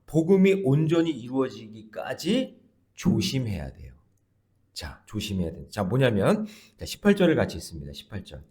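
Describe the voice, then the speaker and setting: Male pastor, dawn service sermon; very lively intonation, mid-pitched, emphatic with sudden soft drops, addresses the congregation directly. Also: normal speed. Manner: emphatic, swinging between loud exclamations and soft asides; talks directly to the congregation with questions. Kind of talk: early-morning prayer service sermon.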